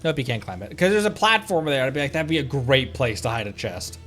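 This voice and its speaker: A man's voice: mid-range voice, expressive, fast, a bit bright, soft background music. A man streaming a video game, casually thinking aloud and joking about what he sees.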